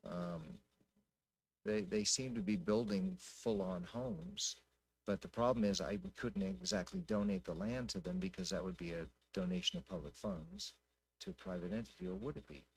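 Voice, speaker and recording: A man speaking informally at a public council meeting, thinking out loud in a folksy, conversational way. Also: medium pitch, huge pitch swings, normal speed, gravelly, breathy edge, poor audio. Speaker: city council member.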